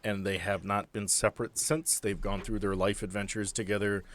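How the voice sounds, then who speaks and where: Low-voiced man, casual game master. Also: flat delivery, normal speed, a bit bright. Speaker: game master and podcast host. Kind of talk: casual tabletop podcast chat.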